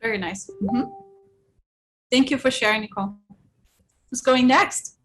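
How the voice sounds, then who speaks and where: A woman's voice: on the high side, a little slow, a bit bright, soft background music. A woman from Lithuania leads a sales workshop over a video call. She talks in a loose, hesitant way, with many fillers and restarts. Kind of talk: online workshop talk.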